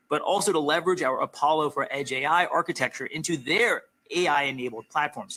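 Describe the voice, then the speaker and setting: A man's voice: mid-range voice, sharp tone. A man delivering prepared corporate remarks as a company executive on an earnings call, in a formal, emphatic way.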